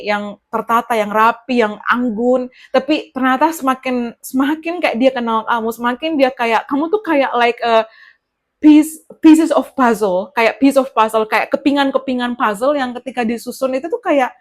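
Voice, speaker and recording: A woman giving a casual tarot reading straight to the listener, chatty and rambling. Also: on the high side. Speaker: tarot reader.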